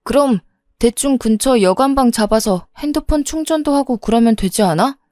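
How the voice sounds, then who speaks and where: A woman's voice: a little high, moderate pace, warm tone, no echo, studio quality, natural voice. A woman voicing an irritable, shifty man who is posing as someone's old flame, speaking curtly and defensively. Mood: snappish. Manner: curt and defensive.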